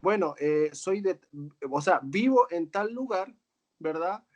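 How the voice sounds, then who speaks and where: Guy talking slow and earnest, kinda high voice, keeps saying verdad. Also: animated, dull audio. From Chile. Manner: earnest, tags phrases with "¿verdad?". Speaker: guest, author and coach. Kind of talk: reflective conversation.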